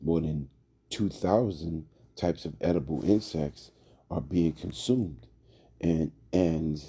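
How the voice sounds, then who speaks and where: Man, religious teacher, hoarse from a cold, raspy, gravelly, drawling. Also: very deep voice, slow, mellow. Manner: drawling, many fillers. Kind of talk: informal religious lesson.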